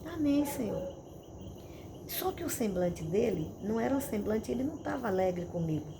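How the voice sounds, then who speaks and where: A middle-aged woman pastor, telling her testimony in an animated storytelling way with dramatic repetitions. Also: medium pitch, a little fast, vocal fry, background noise. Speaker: missionary and pastor. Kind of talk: testimony preaching. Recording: crickets and insects chirping behind.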